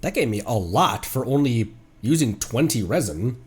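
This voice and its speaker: A man's voice: medium pitch, animated, moderate pace, a little hiss or hum. A man livestreaming a video game with casual, rambling commentary, thinking aloud as he plays. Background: video game music.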